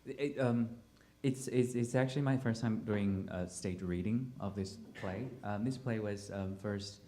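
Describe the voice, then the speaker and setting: A man's voice: lowish voice, unhurried, mellow. A man with a Taiwanese accent speaking as a playwright and director on a panel, searching for words and repeating himself as he goes. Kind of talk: panel discussion, spontaneous personal account.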